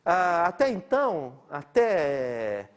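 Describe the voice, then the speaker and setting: A man's voice: fairly high pitch, big pitch swings, slow pace. A middle-aged man from Brazil giving a chatty, informal lecture, laughing often and asking his listeners rhetorical questions. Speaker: doctor lecturing.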